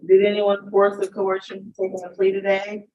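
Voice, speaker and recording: A woman judge running a courtroom plea hearing, asking formal questions in a brisk, measured way. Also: mid-range voice, monotone, reverberant, muffled recording. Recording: distant mic with faint noise.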